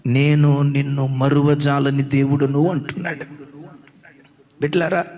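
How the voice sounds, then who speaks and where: A man's voice: high-pitched, creaky, fairly bright tone, long reverb tail. A male pastor preaching an impassioned sermon and asking the congregation repeated rhetorical questions.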